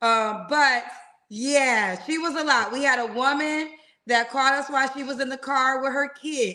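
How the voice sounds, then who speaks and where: A woman with an American accent speaks in a raised, projected voice, high in pitch and bright and sharp in tone. Her intonation is fairly even, her pace fairly slow, and there is audible room echo. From Connecticut, US. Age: 60s. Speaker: live-stream dating show host. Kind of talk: casual live-stream chat.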